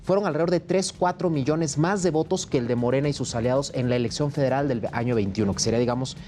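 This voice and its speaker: A man from Mexico, a political guest on a panel show, arguing his points in an emphatic, steady way. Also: medium pitch, fast, soft background music. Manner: emphatic, argumentative. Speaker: opposition party politician guest.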